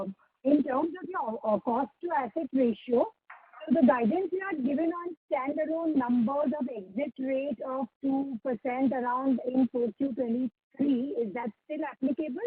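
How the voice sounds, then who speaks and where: A woman analyst asking questions over an unclear phone line on a conference call, halting as she searches for words. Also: high-pitched. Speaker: analyst caller. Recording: muffled tinny phone line, dry.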